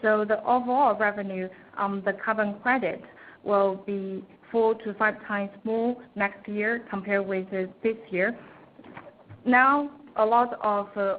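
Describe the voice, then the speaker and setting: A woman interpreting on an earnings call, speaking formally and haltingly, phrase by phrase. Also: medium pitch. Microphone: conference call line. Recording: tinny, noisy conference phone line.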